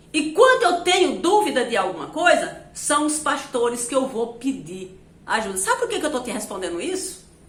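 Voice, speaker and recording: A high-pitched woman speaks animatedly at a moderate pace, with very wide pitch swings. She has hardly any pauses, and there is noticeable background noise. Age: 70s. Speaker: YouTuber. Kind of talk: video reply to a viewer comment.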